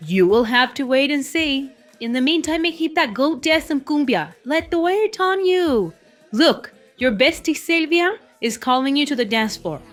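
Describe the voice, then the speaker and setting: An affectionate but bossy Latina mom in an audio drama. Her voice is very high, and music plays behind it. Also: animated, moderate pace. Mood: affectionate, coaxing. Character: affectionate, bossy middle-aged Latina mother. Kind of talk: audio fiction drama acting.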